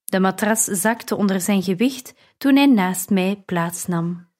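A woman reading a first-person audiobook in a measured, earnest way. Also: medium pitch, darkish tone. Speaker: narrator.

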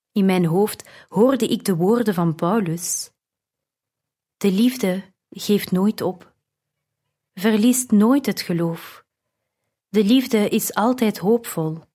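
A woman reading a first-person audiobook in a measured, earnest way. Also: mid-range voice, darkish tone. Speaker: narrator.

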